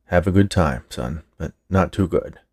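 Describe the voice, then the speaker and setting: A man's voice: low-pitched, lively intonation, moderate pace, darkish tone, dry recording, studio quality. Doting, protective mom of a teen, played by a male narrator, narrated fiction, everyday delivery. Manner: doting, chiding. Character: fond, protective mother of a teenage son.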